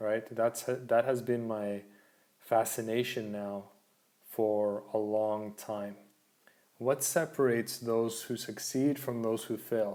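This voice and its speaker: Very slowly and quietly, a man speaks in a calm, dark, mellow tone at a medium pitch with fairly even intonation. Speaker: dating coach. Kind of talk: livestream talk. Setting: home livestream at night.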